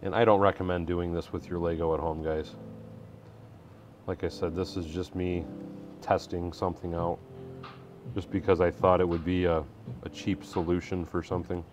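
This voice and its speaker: Chatty low-voiced man on a live stream. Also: flat delivery, moderate pace, long pauses, dull audio, over music. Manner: chatty, reads out viewer comments and laughs easily. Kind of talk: casual live-stream chat while building. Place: indoor workshop room.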